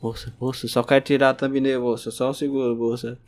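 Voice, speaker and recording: A man's voice: medium pitch, a little fast. A man with a Brazilian accent giving casual gameplay commentary, yelping and scolding the zombies as he plays. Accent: Brazilian Portuguese. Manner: excitable, yelps and talks to zombies. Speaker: gameplay streamer.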